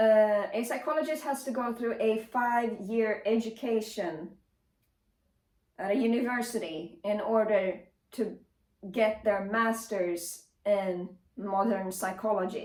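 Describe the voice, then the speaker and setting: At a fairly slow pace, a woman with a fairly high pitch talks with long, frequent pauses. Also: ordinary pitch variation. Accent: Swedish. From Sweden. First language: Swedish. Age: 20s. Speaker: vlogger. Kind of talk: casual vlog monologue. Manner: stumbling on words.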